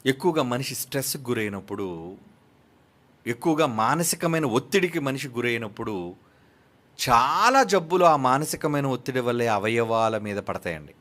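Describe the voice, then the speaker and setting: Male pastor, Telugu accent, high voice, lively swoops, emphatic sermon, answers his own questions.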